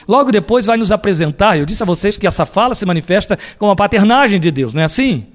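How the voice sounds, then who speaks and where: A male pastor preaching a sermon in an animated way, often asking the congregation rhetorical questions. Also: high voice, fast talker.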